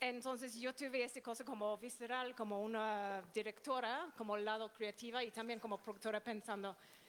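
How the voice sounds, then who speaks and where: With a British accent, a woman speaks at a moderate pace in a fairly high pitch, barely stopping to pause. Her loudness stays very even, and her intonation is fairly even too. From United Kingdom. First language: English (speaking Spanish). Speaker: theatre director and producer. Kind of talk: panel discussion. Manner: halting.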